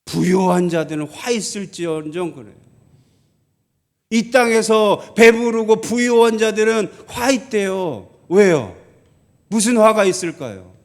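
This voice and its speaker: Emphatic high-voiced male pastor preaching. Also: expressive, measured pace. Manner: rhetorical questions answered by himself, emphatic repetition; drops to a soft, low voice for pleading. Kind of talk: sermon.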